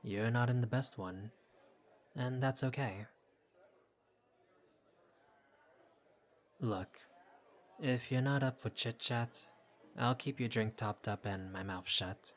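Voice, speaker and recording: A man's voice: mid-range voice, unhurried, lightly acted. A man playing a flirty, easygoing bartender who teases and chats with a patron in an audio roleplay. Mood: gentle, perceptive. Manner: playful, teasing, casual. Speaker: bartender character. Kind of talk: intimate audio roleplay, conversational acting.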